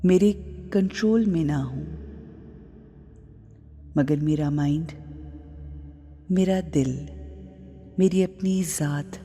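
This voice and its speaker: A woman guides a meditation in a low, mellow voice. She speaks extremely slowly and leaves long pauses between short phrases. Her voice carries a long reverb, with music playing underneath. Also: husky.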